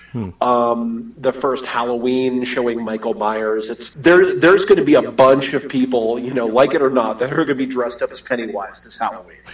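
A man talks at a fairly quick pace with hardly any pauses, his medium pitch showing ordinary variation. Background noise is noticeable. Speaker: film critic. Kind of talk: film review.

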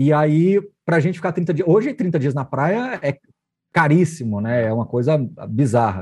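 A man speaks at a moderate pace in a somewhat breathy voice with very wide pitch swings. The background is quiet. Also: fairly high pitch for a man. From Brazil, Goiás (Morrinhos). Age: 40s. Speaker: finance educator, real estate fund expert. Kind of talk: interview.

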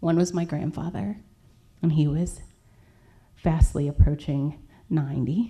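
A woman with a very deep, low pitch and ordinary pitch variation speaks in a somewhat breathy way, at a fairly slow pace with long, frequent pauses. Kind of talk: testimony. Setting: church.

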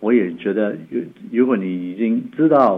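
Speaking at a fairly slow pace, a man with a strong Cantonese accent uses a fairly low pitch with ordinary variation. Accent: strong Cantonese accent in Mandarin. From Hong Kong. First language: Cantonese (speaking Chinese). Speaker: political candidate. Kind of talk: interview. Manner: halting, many fillers and repetitions.

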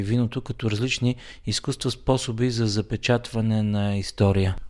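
A normal speaking voice with fairly even intonation is heard on a very clean recording with a silent background. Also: man. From North Macedonia (Skopje, Albanian roots from Tetovo). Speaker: podcast co-host, radio presenter. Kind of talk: casual chat.

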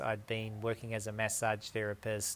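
The speaker talks at a moderate pace with a New Zealand accent. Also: man. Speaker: yoga teacher. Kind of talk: casual interview. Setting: away from studio, dog present.

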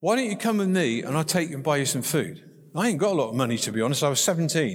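Very fast speech in an English accent with lively intonation. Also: man. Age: 60s. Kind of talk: sermon. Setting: church.

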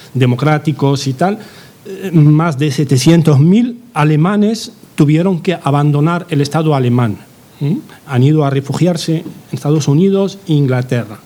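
This man has a normal speaking voice, fairly high in pitch. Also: ordinary pitch variation, fairly slow pace. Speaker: political activist. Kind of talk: panel talk.

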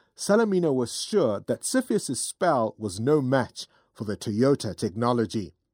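A man speaks at a fairly slow pace in a dark, mellow tone, his pitch swinging very widely. The sound is dry and close, with no echo. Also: very clean recording, silent background. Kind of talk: dramatic narration of a short story. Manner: tense, vivid, building to action.

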